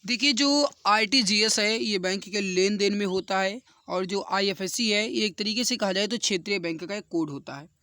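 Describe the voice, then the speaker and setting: A man with a high, bright, forceful voice teaches an exam class. He works through quiz questions step by step and repeats key answers for emphasis. The sound is dry and close. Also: normal speed, few pauses, clear, resonant tone, dry recording. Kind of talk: explanatory quiz lesson for exam students.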